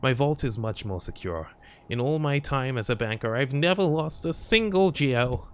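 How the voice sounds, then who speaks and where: A man's voice: mid-range voice, expressive, moderate pace, slight background noise, pitched above the performer's own voice, natural voice. A man voicing a chatty, polite old lady banker creature from a video game, with a genteel salesmanlike patter. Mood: courteous, salesmanlike.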